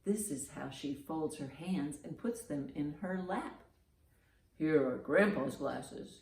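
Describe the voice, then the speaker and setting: A woman hosting a children's storytime, reading aloud and reciting rhymes with expressive, deliberate emphasis. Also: sits low, vocal fry. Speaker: library storytime host.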